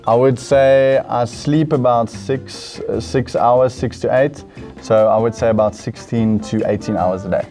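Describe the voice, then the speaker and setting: A man's voice: mid-range voice, steady tone, unhurried, mellow, faint music behind. A South African man hosting a game show in a casual, easygoing, chatty way.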